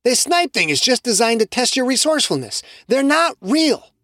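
An insistent, easily rattled young man who refuses to believe in what he has seen, as a narrator plays him. His voice sits well above the narration with lively, jumpy pitch. Close and dry. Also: moderate pace, no room sound, heavily acted. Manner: insistent, frustrated, swears. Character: tense, rational young man student.

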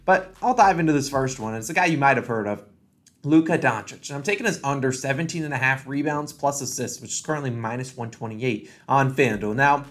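American guy doing sports betting picks, talks really fast, confident tipster hype. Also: medium pitch, fairly bright tone. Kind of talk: sports picks video commentary.

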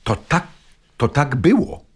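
An older man reminiscing conversationally in a wry, halting way. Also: mid-range voice, sing-song, husky. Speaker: former scout giving recollections. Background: loud music.

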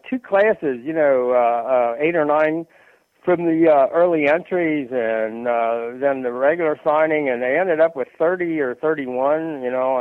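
A man talking sports on a radio show, halting and full of fillers and restarts. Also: on the high side, no echo. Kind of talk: rambling sports talk on phone. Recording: tinny phone line.

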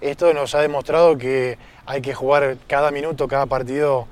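A man answering as a professional footballer in an interview, measured and repetitive in phrasing. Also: mid-range voice, fairly even intonation, darkish tone. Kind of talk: post-match interview.

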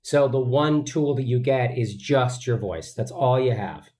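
A man's voice: medium pitch, unhurried, darkish tone. Chatty man, an actor in an interview. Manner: earnest, chatty with many fillers and restarts. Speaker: actor guest. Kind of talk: interview answers.

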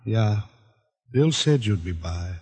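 An actor playing a curt, suspicious shopkeeper in a 1940s-style radio drama. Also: male voice, on the low side, animated, slow. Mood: wary. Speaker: hardware shopkeeper.

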